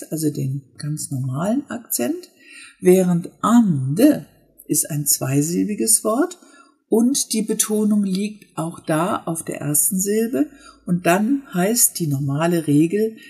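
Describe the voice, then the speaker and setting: Husky, gravelly woman teaching Swedish pronunciation. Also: lowish voice, mellow. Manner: explains step by step, models pronunciations slowly. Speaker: Swedish teacher and podcast host. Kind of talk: conversational language lesson.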